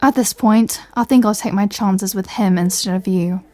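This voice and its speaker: A woman's voice: mid-range voice, moderate pace, mellow, lightly acted. A woman playing an irritated, stubborn, proud female superhero in a comedic audio drama, answering with dry, sarcastic exasperation. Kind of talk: comedic audio roleplay acting.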